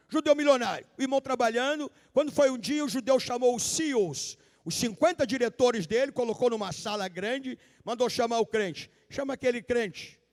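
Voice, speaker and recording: A pastor preaching a sermon at a live service, emphatic and repetitive, calling out to the congregation. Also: male voice, extremely high pitch. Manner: emphatic preaching, repeats key lines, calls out to the congregation. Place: large church sanctuary, live service. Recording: long hall reverb of a church.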